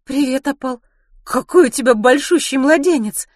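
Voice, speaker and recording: A frank, level-headed young woman in an audiobook, read by a female narrator. She is direct and reasonable, with animated intonation and a dry sound. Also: fairly high pitch, a little fast, dry recording, pitched above the performer's own voice. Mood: friendly.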